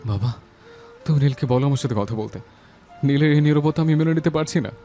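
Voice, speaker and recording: A man playing an anguished young man in an audio story, pleading through overwhelming grief in a gravelly voice. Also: medium pitch, normal speed, mellow, soft background music, lightly acted. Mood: anguished protest. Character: grief-stricken young man pleading with his dead beloved. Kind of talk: dramatized audio story acting.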